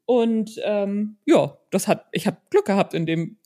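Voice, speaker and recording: A middle-aged podcast host and non-fiction author leads a casual conversational interview in an easy, chatty way, often tagging little questions onto her sentences. Her voice is medium-pitched and mellow, with lively intonation and an unhurried pace.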